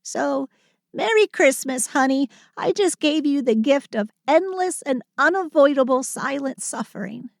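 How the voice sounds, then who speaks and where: A woman's voice: sits high, animated, a little slow, vocal fry, dry recording, studio quality, full character voice. A woman voicing a sweet but sulky Christmas elf who vents to a partner in a dramatic, sardonic yet affectionate scripted audio roleplay. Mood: glum, guilty.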